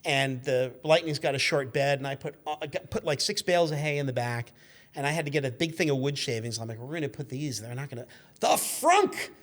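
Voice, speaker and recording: A man's voice: medium pitch, lively intonation, fairly quick. A man in his fifties chatting casually as a guest, telling rambling stories and acting out the exchanges he quotes. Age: 50s. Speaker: guest, car magazine editor. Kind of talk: animated anecdotal storytelling, casual chat.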